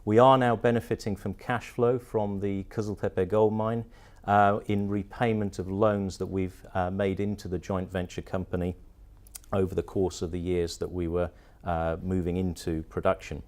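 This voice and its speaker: Low-pitched British man presenting to investors. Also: level tone, normal speed, darkish tone. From partly Turkey, mostly the UK. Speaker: company managing director presenting to investors.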